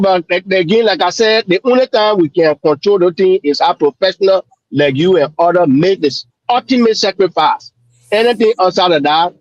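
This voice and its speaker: A man with a notably high voice joins the panel remotely, off camera. He talks in a loose, conversational way and often circles back over himself. His audio comes through dull and lo-fi, and sounds dry. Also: dry recording.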